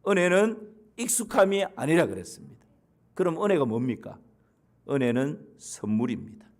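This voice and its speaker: A man's voice: fairly high pitch, sing-song, moderate pace. A male pastor delivering a sermon, repeating emphatic declarations and blessing the congregation.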